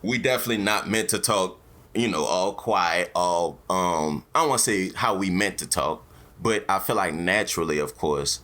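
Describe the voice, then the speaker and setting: A man's voice: low voice, moderate pace, fairly bright tone. A man with an African American accent hosting a casual, opinionated podcast, talking in slang with plenty of swearing. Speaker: podcast host.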